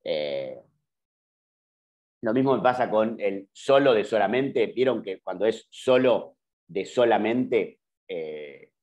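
A middle-aged Argentine man teaching an online class, his voice fairly low-pitched. He explains rules patiently, fills pauses with "eh" and corrects himself as he goes. The call audio sounds dull and lo-fi. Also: expressive, darkish tone. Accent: Argentine Spanish. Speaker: journalism teacher. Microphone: computer mic on video call.

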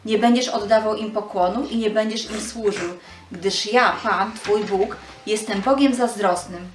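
A woman's voice: medium pitch, unhurried, reverberant. A woman giving a scripted narration of a Bible story for children.

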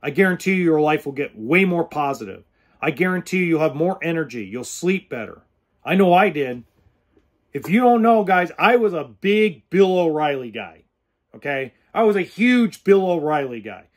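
With lively intonation at a normal speed, a man in his forties hosts his podcast in a blunt, earnest, plain-spoken way, gesturing as he talks casually to the camera. His voice is slightly high for a man. He's in an RV or home kitchen, close to a pop-filtered studio mic.

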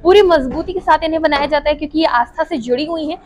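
A young woman reporting for television, speaking clearly and measured into a handheld mic, then introducing an interview. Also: high voice, darkish tone. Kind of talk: news field report and interview. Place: indoor factory floor, then an office.

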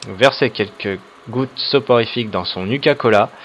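A man's voice: on the low side, moderate pace, fairly bright tone, lo-fi sound. A man hosting a video game let's play, reading the on-screen options aloud and adding hesitant, joking comments full of fillers. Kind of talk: casual gameplay commentary.

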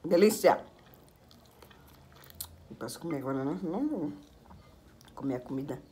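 A woman's voice: low voice, normal speed, slight background noise. Woman chatting while eating with fingers. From Brazil. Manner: chatty, animated storyteller talking between bites. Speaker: mukbang vlogger. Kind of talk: casual mukbang chat to viewers.

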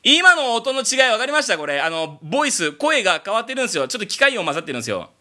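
A man from abroad who speaks Japanese as a second language, giving a casual reaction commentary on an anime opening and breaking into loud exclamations. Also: high voice, very fast. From outside Japan. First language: not Japanese. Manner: excitable, bursts into loud exclamations.

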